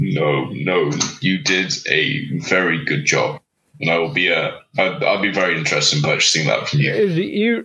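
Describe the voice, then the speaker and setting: Using a put-on character voice, a man speaks at a fairly slow pace. His pitch is fairly low and the voice is raspy. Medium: actual play. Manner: polite, formal, good-natured.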